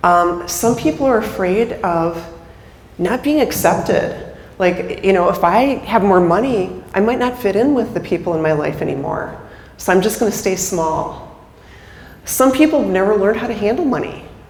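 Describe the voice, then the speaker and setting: A woman with an American accent speaks at a moderate pace and medium pitch, her intonation lively, with noticeable background noise and audible room echo. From US Upper Midwest (Minnesota). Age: 60s. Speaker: keynote speaker and money mindset coach. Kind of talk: conference talk.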